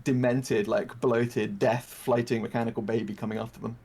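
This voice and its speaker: A man chatting with a streamer friend over voice chat, riffing in a rambling, animated way full of "like". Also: mid-range voice, normal speed, vocal fry, slightly rough. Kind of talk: casual gaming chat.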